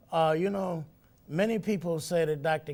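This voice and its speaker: At a moderate pace, the speaker talks with a Southern US accent on a very clean recording with a silent background. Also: man. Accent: Southern US (Georgia). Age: 80s+. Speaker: retired university administrator. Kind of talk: TV interview. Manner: halting, repeats words.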